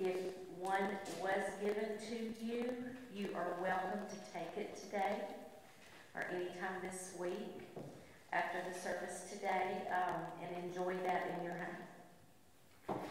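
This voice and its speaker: Amid strong room echo and noticeable background noise, a woman talks at a very slow pace in a monotone, flat intonation. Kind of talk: church announcements. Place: church.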